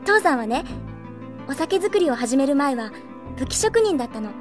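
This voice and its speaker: Feisty little girl shop boss for audio drama, very high voice woman actor, stubborn and earnest, music underneath. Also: very animated, normal speed. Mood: wistful, determined. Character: feisty young girl running her late father's shop. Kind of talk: Japanese anime-style audio drama acting.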